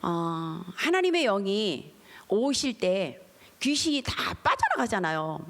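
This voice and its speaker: A middle-aged woman, a pastor's wife, giving a lively testimony sermon at a church service and acting out the voices in her stories. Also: mid-range voice, takes it slowly. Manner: animated storytelling, acting out quoted voices. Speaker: pastor's wife, guest speaker.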